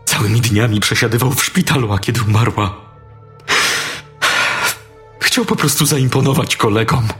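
A man's voice: mid-range voice, normal speed, long pauses, fairly bright tone, natural voice. An actor playing a desperate father begging for his son's life, frantic and pleading, in a dramatized audio story. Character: desperate pleading father, middle-aged man. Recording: faint music behind.

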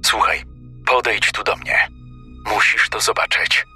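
Narrator as a tense young man in an audio story, hushed and husky, low. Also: huge pitch swings, unhurried, faint music behind, full character voice. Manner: hushed, urgent.

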